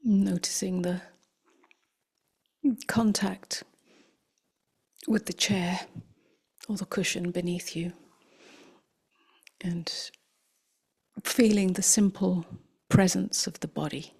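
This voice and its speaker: Very breathy, slow woman guiding meditation. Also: on the low side, steady tone. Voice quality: breathy, husky, often near a whisper. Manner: gentle, unhurried instruction with long pauses. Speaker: meditation teacher. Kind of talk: guided meditation, slow and contemplative.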